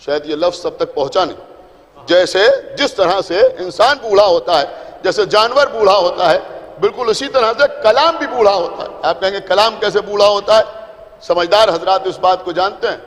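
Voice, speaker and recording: A man's voice: sits high, a bit bright. A male preacher with a Lucknow Urdu accent giving a sermon to a seated congregation, explaining things simply, repeating his points and checking that the audience follows. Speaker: Shia preacher addressing a majlis. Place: large imambara hall. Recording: reverberant hall.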